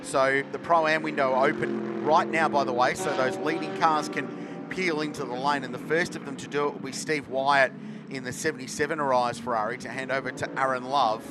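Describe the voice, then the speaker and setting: A man's voice: mid-range voice, fairly even intonation, brisk, over music. A man giving live race commentary as a motorsport commentator. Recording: loud trackside car and engine noise. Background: race cars and outdoor ambience.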